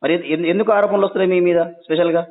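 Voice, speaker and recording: Telangana guy journalist on a tinny phone line, high voice, pushing and scolding, keeps cutting in. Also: fairly even intonation, very fast. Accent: Telangana Telugu. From Telangana, India. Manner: insistent, admonishing, often cutting in. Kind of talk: confrontational phone interview. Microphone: telephone. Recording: tinny narrowband phone call.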